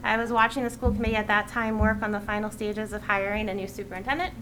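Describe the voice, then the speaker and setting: A woman's voice: medium pitch, steady tone, fast, background noise. Woman giving an earnest meeting speech. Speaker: school committee chair. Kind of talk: prepared farewell speech at a public meeting.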